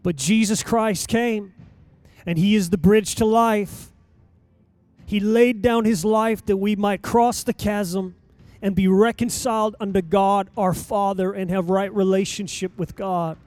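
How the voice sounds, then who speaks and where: A pastor preaching a sermon in a church, with emphatic delivery and dramatic pauses. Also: male voice, high voice, fairly even intonation, darkish tone, dry recording. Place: church sanctuary.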